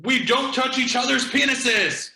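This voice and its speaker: A man's voice: extremely high pitch, unhurried, vocal fry, sharp tone, exaggerated voice. A man playing a goofy, pun-loving, sincere repair-shop boss in a comedy table read, theatrical and jokey. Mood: defensive, earnest. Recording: echoey room sound.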